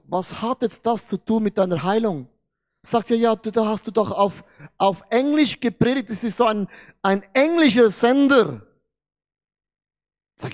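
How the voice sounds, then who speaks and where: A man, preaching a sermon into a handheld mic on a large church stage and acting out a story, swinging between loud and hushed. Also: sits high. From Switzerland. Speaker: pastor.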